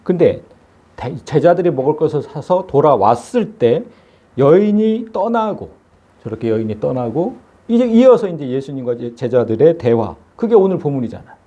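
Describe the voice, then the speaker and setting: A man's voice: mid-range voice, big pitch swings, brisk, warm tone, lo-fi sound. A man preaching a sermon as pastor, emphatic and full of rhetorical questions.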